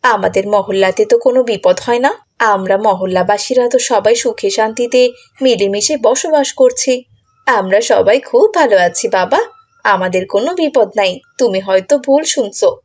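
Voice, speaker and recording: A woman's voice: medium pitch, moderate pace, natural voice. A woman voicing a gullible, anxious neighbourhood auntie in a cartoon, with a Bangladeshi accent and an earnest, colloquial manner. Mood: puzzled.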